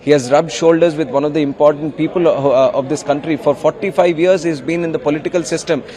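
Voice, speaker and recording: Rapid-talking Indian male politician. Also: fairly high pitch, steady tone, dark tone. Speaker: opposition politician. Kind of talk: political statement to media.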